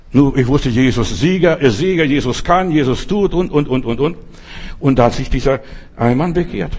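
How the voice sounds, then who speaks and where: Husky preacher. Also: male voice, mid-range voice, darkish tone. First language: not German. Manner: fervent, repetitive, addresses listeners directly. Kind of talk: sermon with personal testimony.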